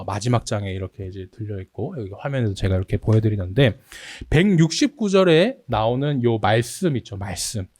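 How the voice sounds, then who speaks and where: A man's voice: medium pitch, a little mellow, no echo. A man preaching a sermon as pastor, acting out anguished prayers in a raised voice. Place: church sanctuary.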